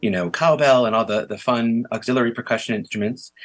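Against a quiet background, a man speaks at a medium pitch with ordinary pitch variation. He has an ordinary speaking voice. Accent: American. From Chicago South Side suburbs, US. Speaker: choral conductor and university music teacher. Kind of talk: casual interview chat.

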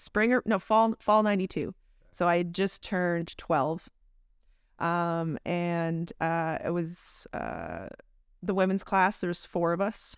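On a very clean recording with a silent background, a woman with an Ontario accent speaks very slowly at a fairly low pitch with fairly even intonation. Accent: Canadian (Ontario). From Canada, London, Ontario. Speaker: motocross rider and stuntwoman. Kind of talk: casual interview.

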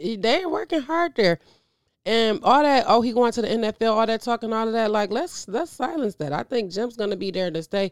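The voice is loud and animated, with very wide pitch swings. The recording is very clean, with a silent background. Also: woman. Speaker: sports podcast host. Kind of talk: casual solo sports talk.

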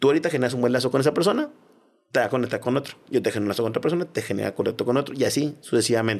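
Very fast speech fills the clip. The pitch moves in an ordinary way. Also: man, medium pitch for a man. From Parral, Chihuahua, northern Mexico. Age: 40s. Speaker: comedian. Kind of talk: casual chat.

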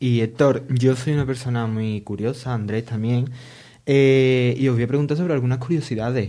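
A man speaks at a medium pitch with a dark, mellow tone. His pace is moderate and his intonation fairly even. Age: young. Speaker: community radio host. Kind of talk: interview. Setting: studio.

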